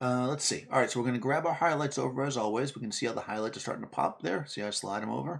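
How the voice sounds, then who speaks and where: Vocal fry runs through very fast speech that has ordinary pitch variation. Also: man, medium pitch for a man. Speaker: photographer. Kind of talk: editing tutorial on livestream. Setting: livestream. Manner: casual, chatty.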